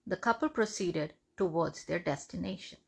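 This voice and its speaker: A woman reads a devotional testimony aloud in measured, deliberate phrases. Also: on the low side, vocal fry, husky. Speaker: devotional reader.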